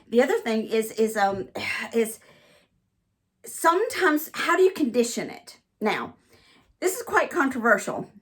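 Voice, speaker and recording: A woman ventriloquist and comedian talking casually in a chatty, rambling way as she demonstrates on a vlog. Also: fairly high pitch.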